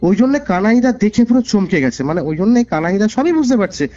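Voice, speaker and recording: A man with a fairly high, mellow voice and a West Bengal Bengali accent tells his story in an earnest, conversational way. He circles back on phrases to stress them. The sound is a dull, lo-fi call recording with music underneath. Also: sing-song, a little fast. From West Bengal, India. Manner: earnest, repeats phrases for emphasis. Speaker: caller sharing a personal ghost story.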